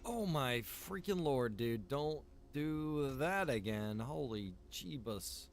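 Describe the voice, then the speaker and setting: A man's voice: mid-range voice, animated, slow pace. A man giving casual livestream game commentary, with mild exclamations and joking asides to his viewers. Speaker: livestream gamer. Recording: clear background noise.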